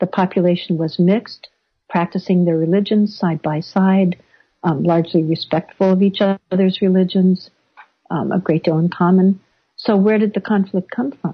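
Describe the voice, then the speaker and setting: A woman with an American accent speaks at a moderate pace in a medium pitch, somewhat breathy, with fairly even intonation. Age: 60s. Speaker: activist running an advocacy website. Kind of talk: interview.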